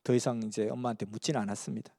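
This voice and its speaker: Guy preaching, earnest storytelling, mellow low tone, big hall echo. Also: steady tone, rapid-fire, gravelly. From Busan, South Korea. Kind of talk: sermon storytelling. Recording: long hall reverb.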